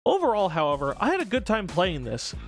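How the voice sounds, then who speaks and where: A man with a high, lively voice delivers casual scripted game commentary. His pitch swings widely and his manner is irreverent and informal, with swearing. Soft music plays behind him. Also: a little fast. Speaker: video game reviewer. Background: background music.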